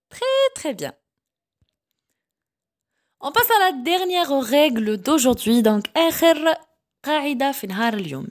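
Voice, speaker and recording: A woman teaching French reading, repeating each sound slowly and praising her pupils. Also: on the high side. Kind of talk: classroom-style reading lesson.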